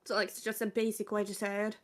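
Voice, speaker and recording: A woman's voice: medium pitch, little pitch movement, fast talker. A woman from Norway with a British-sounding accent, chatting casually with blunt, sweary directness. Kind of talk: casual group chat.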